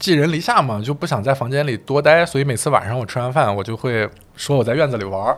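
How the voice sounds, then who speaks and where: Talking at a very fast pace, the man keeps a medium pitch with ordinary pitch variation. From Hunan and Xinjiang, China (moved often). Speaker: podcast guest telling life stories. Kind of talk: casual chat.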